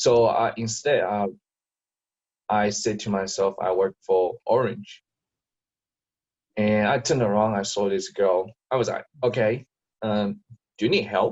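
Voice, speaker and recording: A man with a non-native accent, fairly low in pitch, at a fairly slow pace, with long, frequent pauses and fairly even intonation. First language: not English. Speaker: dating coaching client. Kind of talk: testimony. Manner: halting.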